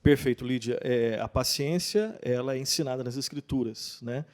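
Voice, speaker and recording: A man, a pastor, calmly explaining Bible passages in an interview and quoting verses with emphasis. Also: mid-range voice. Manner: calm, measured, quotes scripture with emphasis.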